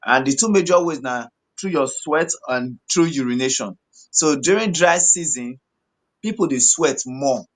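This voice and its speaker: A man with a West African accent answering health questions as a doctor, explaining in mixed Pidgin and English in a halting, repetitive, reassuring way. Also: mid-range voice, lively intonation.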